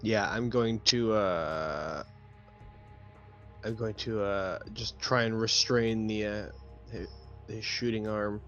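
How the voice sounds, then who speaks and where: Slow, halting man at a game. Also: on the low side, a bit bright. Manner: hesitant, halting. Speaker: tabletop game player. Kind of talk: casual game chat. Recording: dull lo-fi mic with music.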